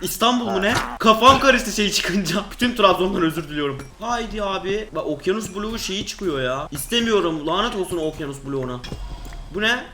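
Young male gaming streamer, high bright voice, excitable jokey commentary, slightly echoey room. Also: a little fast, a little hiss or hum. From Turkey. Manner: excitable, joking, talks to the viewers and game animals. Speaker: gaming YouTuber. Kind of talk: Minecraft gameplay commentary.

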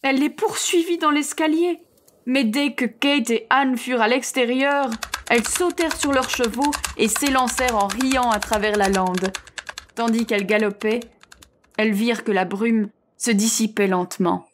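A woman narrating an audio fairy tale in a slow, gentle storytelling manner. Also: a little high, noisy background.

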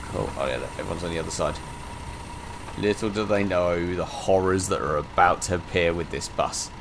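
A man with a croaky voice from being ill, casually commenting as he plays a driving game, rambling with lots of fillers. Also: deep voice, normal speed, noisy background. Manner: rambling, many fillers, chatty asides. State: croaky from illness. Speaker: gaming channel host. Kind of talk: casual let's-play commentary.

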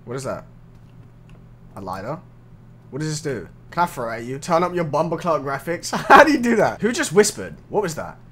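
A man's voice: a little high, big pitch swings, normal speed, pauses often, a little hiss or hum. A young man giving casual gameplay commentary, jumpy and laughing, swearing and yelping when startled. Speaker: gaming streamer.

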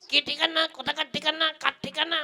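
A woman's voice: high voice, level tone, fast, sharp tone, faint music behind, full character voice. A woman playing a cheeky, greedy male tea seller who stalls and teases in an exaggerated comic puppet play. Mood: cheeky, boastful. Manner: exaggerated, teasing, long-winded.

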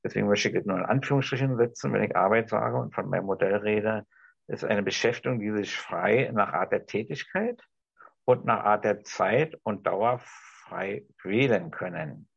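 Speaking as a discussion participant, a middle-aged Berliner with a low, husky, gravelly voice offers an improvised address to an imagined TV audience, his accent restrained toward High German. He moves haltingly, enunciating with care and hunting for words. The recording, from a small room over a distant video-call device, is dry, slightly dull, and free of room sound.

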